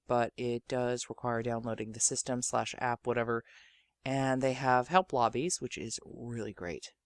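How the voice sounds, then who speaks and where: Podcast host, medium-pitched voice, dry close sound, talking straight to listeners. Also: clear, resonant tone, dry recording. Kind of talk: spoken commentary to listeners.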